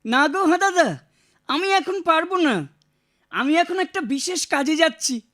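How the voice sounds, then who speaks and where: A woman's voice: extremely high pitch, animated, measured pace, a bit bright, exaggerated voice. A woman voicing a small, earnest little boy in a cartoon, put-upon and plaintive, polite but stubborn. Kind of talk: Bengali cartoon character dialogue.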